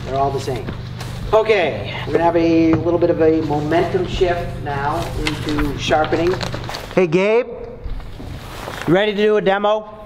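A man teaching a timber framing workshop, explaining each step clearly and methodically. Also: fairly high pitch, normal speed, background noise. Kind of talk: workshop instruction.

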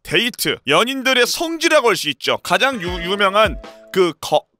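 A male streamer with a high, lively voice and a bright, forceful edge, playing a dating game and reading its chats aloud. He swings from mock-sweet readings into loud, cursing outbursts, with soft music playing underneath. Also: normal speed. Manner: excitable, loud outbursts and profane rants.

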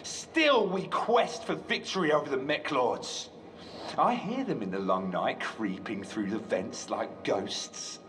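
A man's voice: mid-range voice, lively intonation, slow pace, fairly bright tone. A man playing a reckless, half-mad young tribal scavenger, manic and boastful, in a game audio log. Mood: hushed, eerie. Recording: slightly distant, faintly noisy log.

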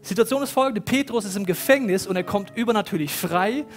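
A man preaching a sermon from a church stage, telling lively personal stories and speaking straight to the listeners. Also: sits high, quick pace, faint music behind. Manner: lively storytelling, addresses listeners directly. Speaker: pastor. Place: church stage before a congregation.

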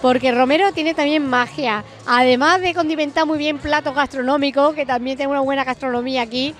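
A woman's voice: high voice, fairly even intonation, brisk. A woman in her forties interviewing a guest outdoors at a night event, upbeat and guiding with questions. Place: beach bar terrace at night, outdoors. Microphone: handheld mic. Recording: music and crowd faintly behind.

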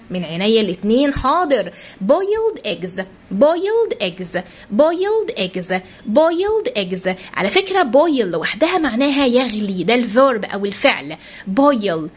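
A woman's voice: fairly high pitch, slightly rough. A woman teacher with an Egyptian Arabic accent giving a vocabulary lesson to children. She drills each word by repeating it and spelling it out letter by letter, and she talks straight to the pupils. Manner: coaxing, addresses pupils directly. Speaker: English teacher.

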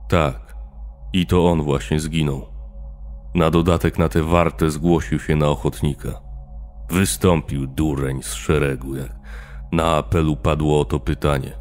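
A man's voice: rumbling low, steady tone, unhurried, darkish tone, soft background music. A man doing a grim, shaken army warrant officer. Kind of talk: horror story reading.

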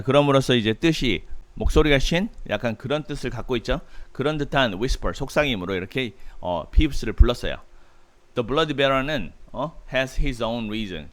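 A man's voice: mid-range voice, fairly bright tone. A man teaching English by reading from a novel and patiently explaining each phrase, with frequent "uh" fillers. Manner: reads English phrases slowly and carefully. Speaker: English tutor. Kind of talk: book-reading lesson, reading English aloud and explaining in Korean.

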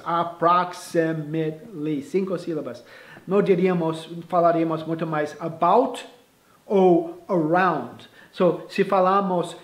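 A male English teacher explaining phrases, slowly and with restarts, in a casual lesson. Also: on the high side, echoey room.

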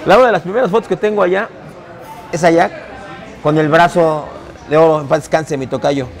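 A man's voice: fairly high pitch, a little fast. A man in his forties with a Mexican accent, telling the story of his taquería in an interview, talking easily with hesitant restarts. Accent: Mexican Spanish. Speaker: taquería owner. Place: busy taquería dining room, indoors. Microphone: camera interview, seated. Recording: music under the voice.

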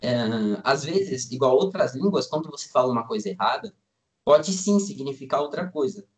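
A man's voice: medium pitch, moderate pace. A nineteen-year-old Brazilian man, a student guest, chatting casually in an interview and rambling with lots of fillers. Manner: relaxed, rambling, many fillers like "tipo" and "assim".

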